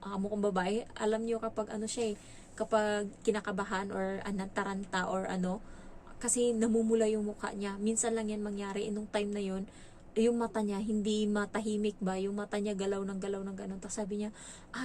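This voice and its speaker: A domestic helper from the Philippines narrates her story with casual liveliness, acting out the quotes and adding English words. Her mid-range voice moves fairly quickly over slight background noise.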